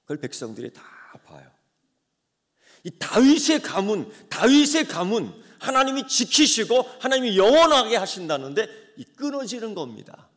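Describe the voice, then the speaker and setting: A man preaching a sermon as pastor, swinging from hushed tones to loud dramatic outbursts. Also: high-pitched, sing-song, moderate pace. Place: church sanctuary. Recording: long church hall reverb.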